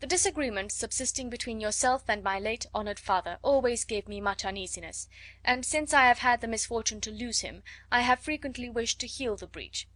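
A pompous, wordy young clergyman, as a woman reader puts him on, formal and long-winded in every phrase. The voice stays on the high side and sits dry and close. He sounds full of his own importance. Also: brisk, fairly bright tone, no room sound, close to an everyday voice. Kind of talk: audiobook character voice.

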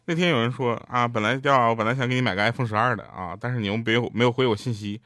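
A man doing a stand-up comedy set on stage, telling deadpan stories and acting out quotes. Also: medium pitch, fast talker, no echo, clean studio sound. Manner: deadpan storytelling with acted quotes. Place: stage with live audience.

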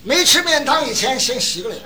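A man performing a comic crosstalk routine, telling stories in an animated way and mimicking dialects. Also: extremely high pitch, fairly quick, heavy background noise. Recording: distant mic, live audience.

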